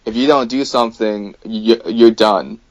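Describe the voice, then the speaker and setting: Speaking a little slowly in a voice on the low side, this American guest in a relaxed conversation hedges with plenty of fillers yet states his opinions bluntly. The dry recording has a dull, lo-fi quality.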